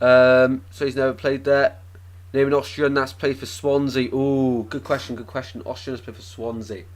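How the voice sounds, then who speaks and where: A man with an English accent speaks at a medium pitch and a moderate pace, with ordinary pitch variation. His loudness swings widely. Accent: sounds English rather than Welsh. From Wales. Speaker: football streamer. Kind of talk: live watchalong commentary and chat. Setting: live stream. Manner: casual, chatty.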